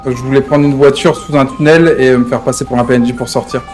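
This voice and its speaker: Male gamer, average pitch, casual slangy roleplay chatter with habitual catchphrases, soft music bed. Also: steady tone, fast talker. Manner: repeats verbal tics, swears freely. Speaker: streamer playing a roleplay game character.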